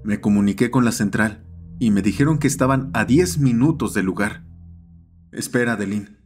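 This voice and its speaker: A man's voice: lowish voice, normal speed. A man reading scripted first-person horror narration in the role of an emergency dispatcher. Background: dark ambient music.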